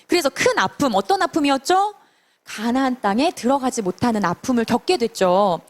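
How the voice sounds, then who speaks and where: A woman's voice: fairly high pitch, expressive, normal speed. A Sunday school teacher, a woman, telling a Bible story to children and asking them questions as she goes. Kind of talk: children's sermon.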